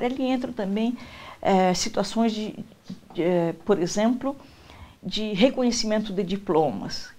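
An older woman speaking as an expert in an interview, measured with many pauses. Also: mid-range voice, darkish tone.

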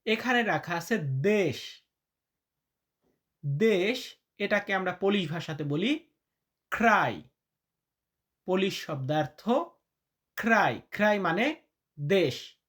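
A man teaching vocabulary in a lesson, repeating each word slowly and deliberately, chatty and calling his listeners brother. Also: high voice, expressive, fairly bright tone. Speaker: language teacher.

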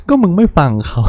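A young man casually commenting on a game he plays, crude and joking, swearing often. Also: a little mellow. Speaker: gaming channel host.

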